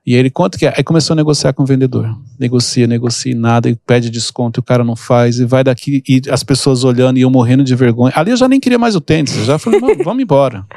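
This medium-pitched, slightly mellow male voice moves fast with hardly any pauses. He's a podcast host and mentor in a casual teaching chat, using storytelling to explain emotional triggers and voicing the characters he quotes. The sound is dry and studio-clean.

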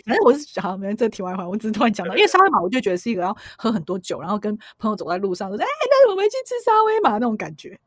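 A woman's voice: mid-range voice, animated, rapid-fire, hardly any pauses, dry recording, studio quality. A woman hosting a casual chat, laughing often and steering the topics. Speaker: podcast host.

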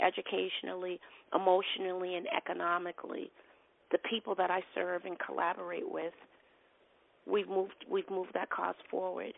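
Boston woman, low gravelly voice. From Boston, USA. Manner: earnest, repeats and restarts phrases. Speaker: nonprofit president, guest. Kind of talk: interview conversation. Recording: tinny phone-like line.

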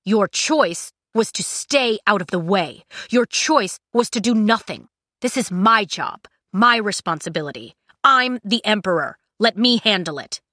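A woman's voice: fairly high pitch, animated, moderate pace, pushed and bright, no echo, studio quality, pitched above the performer's own voice. A woman voicing an indignant young male emperor in an audiobook, emphatic and exasperated. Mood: stern, indignant. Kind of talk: audiobook character acting.

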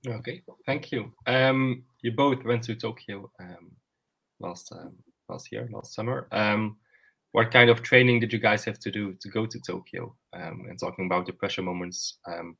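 A man hosting a casual interview in a hesitant, halting manner. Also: on the low side, fairly even intonation, creaky, a bit bright, breathy edge. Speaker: host, interviewer.

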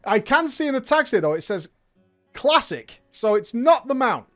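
High-pitched guy streaming, loud and hyped, swears a lot, rambles off on tangents. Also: sing-song, moderate pace, faint music behind. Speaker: streamer and show host. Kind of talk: livestream commentary reading viewer letters.

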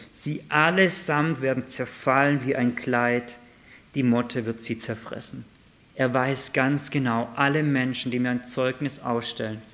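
Here a man of medium pitch gives a sermon, alternating loud and hushed passages as he reads Bible verses and asks lively rhetorical questions.

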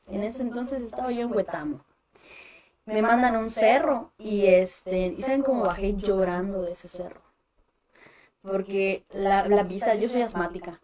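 A young Mexican woman with a Mexican accent, telling personal stories in a casual chat, full of fillers and animated asides. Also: medium pitch. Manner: chatty, animated, many fillers like "este". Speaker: guest.

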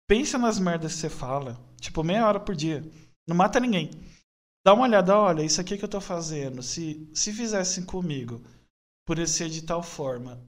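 Earnest young São man, slightly high. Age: 20s. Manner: earnest, opinionated, rambling with restarts. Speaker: podcast guest. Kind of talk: casual podcast conversation.

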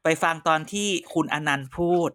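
A woman chatting casually with friends on a podcast, blunt and teasing, quick to argue back. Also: a bit bright. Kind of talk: casual chat among friends.

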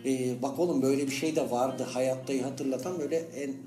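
A man's voice: mid-range voice, steady tone, brisk, mellow, faint music behind. A man chatting casually as a podcast co-host, teasing and jokey, full of slangy exclamations. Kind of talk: casual banter with a friend. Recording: roomy, echoing room sound.

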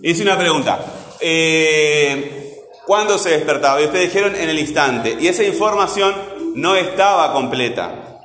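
A man's voice: on the high side, animated, unhurried, fairly bright tone. A male teacher who teaches a class and keeps repeating his questions to prompt his students. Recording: echoey hall, faint background noise.

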